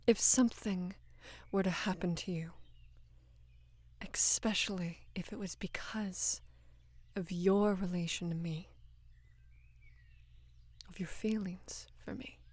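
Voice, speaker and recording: A young woman playing a devoted, lovestruck female knight in an intimate roleplay audio, speaking in a hushed, breathy, halting and earnest way. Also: fairly low pitch, steady tone. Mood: anxious, pleading. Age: young adult. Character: devoted female knight, tender, anxious, in love with queen. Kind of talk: intimate roleplay audio, soft acted monologue.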